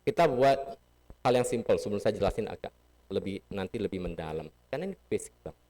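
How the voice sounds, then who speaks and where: A man's voice: lowish voice, animated, fast, warm tone. A man giving a casual Buddhist sermon in a temple hall, teaching playfully and asking the audience questions. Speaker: Buddhist dharma speaker.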